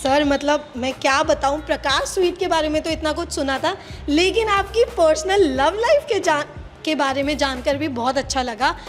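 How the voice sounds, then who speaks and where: A young woman hosting a food show, interviewing guests eagerly and brightly with lots of affirmations. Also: high voice, moderate pace, soft background music. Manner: bubbly, eager, full of affirmations. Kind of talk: on-camera interview.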